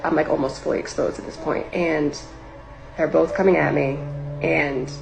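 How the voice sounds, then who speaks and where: Young woman with a gravelly, low voice. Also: fairly even intonation, normal speed, music in the background, rough recording. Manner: rambling, heavy use of "like" fillers. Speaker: storyteller recounting a personal experience. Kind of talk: casual spoken storytelling. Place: livestream or video setup.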